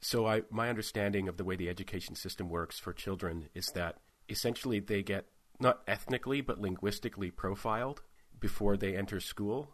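A man's voice: on the low side, a little fast. A man asking questions conversationally as an interviewer, carefully rephrasing himself as he goes.

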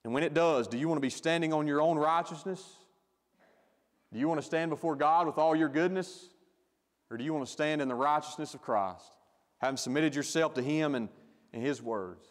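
A male pastor preaching a sermon with emphatic delivery, growing louder when he stresses a point. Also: fairly high pitch, brisk, big-room sound.

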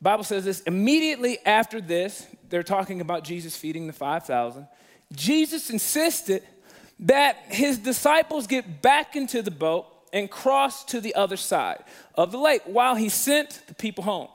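Man, very high voice, guest preacher, comic and animated storytelling sermon. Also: normal speed. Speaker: guest speaker.

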